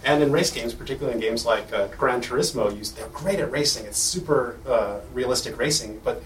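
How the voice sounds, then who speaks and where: A man's voice: mid-range voice, a little fast. A man interpreting on a panel, hesitant and full of fillers. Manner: hesitant, many fillers and restarts. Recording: echoey room, distant mic, faint noise.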